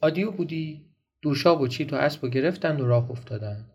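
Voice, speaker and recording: A man reading a folk tale aloud for a podcast, in a gentle storytelling way that turns to ask the listeners questions. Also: on the high side. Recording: dull, slightly noisy recording.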